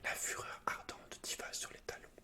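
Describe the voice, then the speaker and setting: A man speaking in a soft, breathy whisper as an ASMR gaming host, informal and intimate. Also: moderate pace. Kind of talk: whispered ASMR, chatting and reading game lore aloud.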